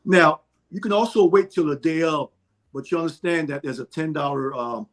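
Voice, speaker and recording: Higher-voiced man, halting announcer. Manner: halting, self-correcting. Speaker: interview guest promoting a stage play. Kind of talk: casual spoken announcement.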